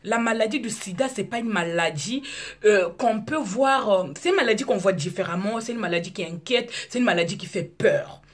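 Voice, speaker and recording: A husky woman in her thirties from Congo, whose first language is Lari, talks straight to her viewers. She is outspoken and circles back, restarting her sentences as she searches for words. Her pitch sits mid-range. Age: 30s. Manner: outspoken, repetitive, halting restarts. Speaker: video blogger. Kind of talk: casual monologue to camera.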